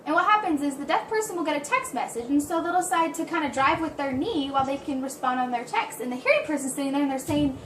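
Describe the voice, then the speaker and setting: A woman voice-interpreting an informal presentation, speaking a little haltingly and rephrasing as she goes. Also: high-pitched, expressive, fairly bright tone. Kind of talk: spoken interpretation of a signed talk, informal presentation. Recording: roomy echo, distant mic, background hiss.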